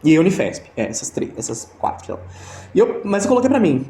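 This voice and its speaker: A man's voice: high-pitched, wildly swooping pitch, a little fast, mellow, reverberant, slight background noise. A young Brazilian man telling a story in a casual interview, hesitant, with many restarts and fillers, over a video call. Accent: Brazilian Portuguese. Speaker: interview guest.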